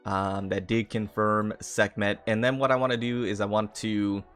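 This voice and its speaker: Low-voiced man chatting on a gaming livestream. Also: level tone, normal speed, fairly bright tone. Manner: repeats phrases, chatty and informal. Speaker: live streamer. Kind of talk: casual gaming livestream chat, greeting viewers. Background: background music.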